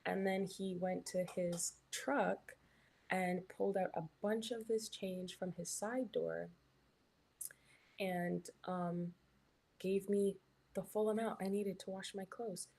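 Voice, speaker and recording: A woman's voice: medium pitch, steady tone, slow pace, vocal fry, a little mellow. A young woman from Canada, chatting casually as a live stream host while reading her chat, with lots of "like" and "um". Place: hotel room.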